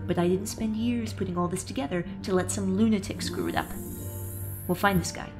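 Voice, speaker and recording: A woman's voice: mid-range voice, fairly quick, over music, natural voice. A woman playing a sardonic, exasperated director in command of a space platform, in a science fiction audio drama. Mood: firm, authoritative. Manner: dry, authoritative, sardonic.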